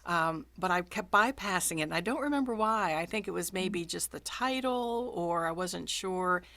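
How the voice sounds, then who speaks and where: A woman's voice: lowish voice, lively intonation, moderate pace, pushed and bright. A woman audiobook narrator hosting a casual video call chat, talking with plenty of ums and friendly encouragement.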